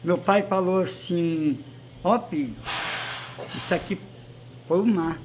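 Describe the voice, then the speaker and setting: A man's voice: high-pitched, takes it slowly, slight background noise. A man in his sixties, a local resident earnestly recounting his father's stories in an interview. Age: 60s. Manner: earnest, insistent on truth. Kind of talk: casual interview storytelling.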